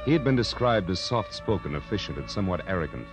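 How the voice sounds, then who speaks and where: A man's voice: low-pitched, very animated, fast. A man playing a weary, wry private detective with an American accent and a dry, sardonic delivery in 1940s radio noir style. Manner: dry, sardonic, clipped wisecracking. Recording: vintage 1940s radio broadcast with music.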